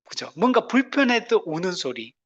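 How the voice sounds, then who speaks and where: Pastor with a soft, dull recorded sermon voice. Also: mid-range voice, sing-song, moderate pace, breathy edge. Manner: conversational, often asking the congregation "right?"; laughs lightly between phrases.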